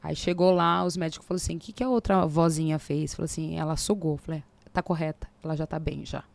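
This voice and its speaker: A Brazilian woman in her forties, a podcast guest, telling a faith testimony in lively casual talk and acting out the dialogue. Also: low voice, fast talker, creaky. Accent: Brazilian Portuguese. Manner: animated storyteller, acts out quoted dialogue.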